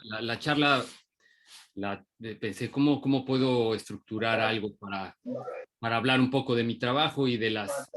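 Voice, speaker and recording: A man's voice: mid-range voice, fairly bright tone. A man with a Mexican accent gives an informal talk about his work, hesitating often and restarting his sentences. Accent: Mexican Spanish. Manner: hesitant, many restarts and fillers. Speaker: invited puppeteer speaker.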